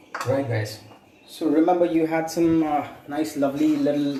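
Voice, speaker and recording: Amid noticeable background noise and audible room echo, a man talks at a fairly slow pace and a fairly high pitch. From India, Mumbai. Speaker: chef. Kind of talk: cooking demonstration. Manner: speaking louder after remark.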